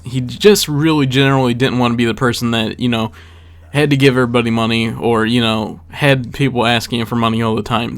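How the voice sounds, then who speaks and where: A man with a mid-pitched voice records casual storytelling commentary as a gaming video creator. He talks conversationally, as if straight to his viewers, and often repeats words to stress a point. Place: voice-over for a gameplay video.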